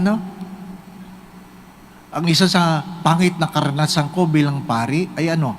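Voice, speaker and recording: A man's voice: on the high side, a little hiss or hum. A middle-aged Filipino man, a Catholic priest, giving a humorous homily in a joking storytelling manner, often tossing rhetorical questions at his listeners.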